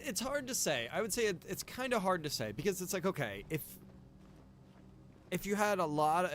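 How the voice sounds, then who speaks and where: A man's voice: on the high side, a bit bright. A man streaming a video game, chatting casually and thinking aloud in a rambling way. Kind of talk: casual chat while playing a game. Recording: clear background noise.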